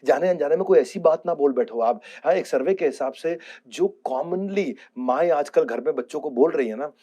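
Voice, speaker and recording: A man coaching parents in an animated, emphatic motivational lesson, opening with rhyming hooks. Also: fairly high pitch, normal speed.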